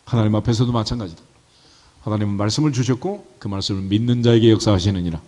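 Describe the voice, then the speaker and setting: A man's voice: lowish voice, steady tone, fast talker, dark tone. A male pastor preaching a sermon, talking conversationally and tossing rhetorical questions to his congregation. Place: church sanctuary. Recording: reverberant church hall.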